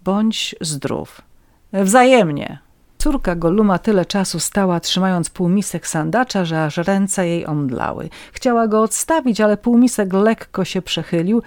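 A woman's voice: lowish voice, normal speed, hardly any pauses, darkish tone, no room sound, clean studio sound. A woman narrating a first-person story in a wry, ironic storytelling manner.

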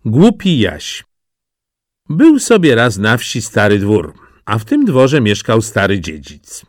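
A man narrating a fairy tale for an audiobook, very expressive and animated. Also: slow pace, no echo, clean studio sound. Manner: highly expressive, animated storytelling.

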